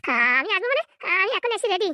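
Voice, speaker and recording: Voice artist as squeaky, rapid, stammering lovesick drunk; cartoon comedy. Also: dry recording, muffled recording. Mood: eager. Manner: stammering, excitable, sped-up high cartoon voice. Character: lovesick hopeful drunk young man, broke.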